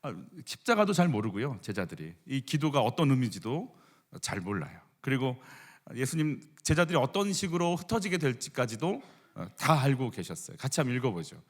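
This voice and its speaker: A middle-aged man preaching a Sunday sermon in a church sanctuary. His voice sits at an ordinary middle pitch. He talks to the congregation in a conversational way and invites them to read scripture aloud with him. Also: very animated, a little fast. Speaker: pastor.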